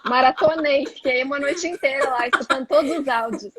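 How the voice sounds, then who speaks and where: High-voiced woman hosting a chat. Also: a little fast, a crowd in the background. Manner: enthusiastic, laughs often. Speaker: host. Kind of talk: casual live chat.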